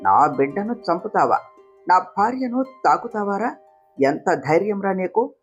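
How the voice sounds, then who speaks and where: A woman's voice: medium pitch, big pitch swings, a little slow, husky. A woman voicing a young man, a desperate and tearful son, in a storybook tale. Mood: angry. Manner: tearful, urgent. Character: young man, grieving angry son and husband. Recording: slightly dull recording, soft guitar music.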